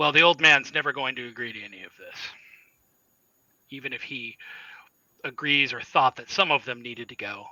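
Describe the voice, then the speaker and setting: A man's raspy, put-on character voice, fairly high in pitch, broken by long, frequent pauses. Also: fairly quick pace. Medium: actual play.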